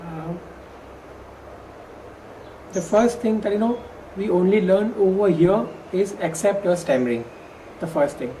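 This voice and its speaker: A woman with an Indian English accent speaks in a mellow, darker tone at a middling pitch. She explains things in a measured, earnest way, with now and then a stammered restart. A faint hum of the room sits behind her. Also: low-quality recording. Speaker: workshop participant who stammers. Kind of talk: exit interview, explaining in earnest.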